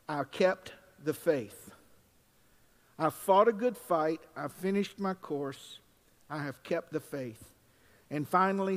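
An older man, a pastor preaching at a pulpit microphone, mixing folksy asides with loud, drawn-out scripture reading. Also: high-pitched. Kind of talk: sermon. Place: church sanctuary. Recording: long reverb in a church hall.

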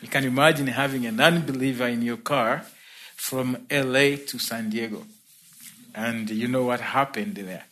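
A man from Uganda, speaking with a Ugandan accent at a moderate pace in a mid-range voice, preaches in a church. He shares his conversion testimony warmly, laughing freely between points.

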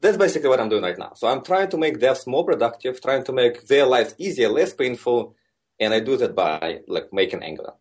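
A man in his thirties from Russia with a Russian accent, a software engineer explaining his work as a guest in a conversational interview, relaxed and full of fillers. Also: medium pitch, fairly quick. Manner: relaxed and explanatory, many fillers like "like" and "you know".

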